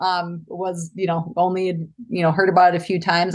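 The speaker talks at a moderate pace with an Upper Midwest accent. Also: woman. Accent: Upper Midwest (Minnesota). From Minnesota, Duluth. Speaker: ice fishing angler and outdoor gear model. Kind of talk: casual interview.

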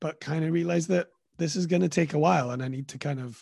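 At a fairly quick pace, a man speaks in a fairly high, somewhat breathy voice with ordinary pitch variation. The sound is dry and close, with no echo. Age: 40s. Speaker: creative project founder. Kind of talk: casual chat.

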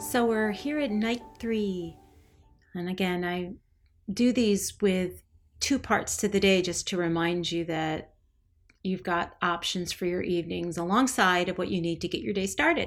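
Here is an ordinary speaking voice from a woman at medium pitch. She moves at a fairly slow pace with ordinary pitch variation. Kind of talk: devotional podcast with prayer. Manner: warm, earnest, intimate; sincere pleading, heartfelt.

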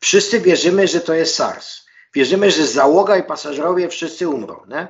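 Speaking at a moderate pace, a man has a high pitch and ordinary pitch variation. His loudness swings a lot. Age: 70s. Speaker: scientist, former public health researcher. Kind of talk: interview. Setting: video call.

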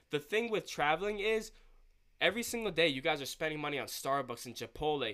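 A man with an American accent talks at a very fast pace, his pitch fairly high. His intonation is lively and his tone bright and sharp. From US Northeast, Hillsborough, New Jersey. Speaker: entrepreneur and mentor. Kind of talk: casual interview.

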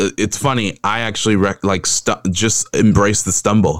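Speaking in an American accent, a man with an unremarkable speaking voice talks at a moderate pace, with fairly low pitch and fairly even intonation. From Miami, Florida. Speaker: Broadway actor. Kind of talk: casual interview chat.

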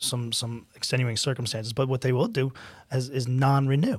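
In a very clean recording with a silent background, a man talks in a plain, everyday voice at a medium pitch. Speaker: insurance agent. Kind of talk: casual interview.

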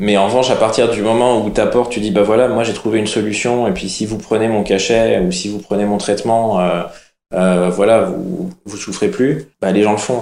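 Audible room echo surrounds a man who speaks at a fairly low pitch. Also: ordinary pitch variation, moderate pace. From France. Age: 40s. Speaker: consultant and blogger on ageing. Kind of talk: casual interview. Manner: halting, many repetitions and fillers.

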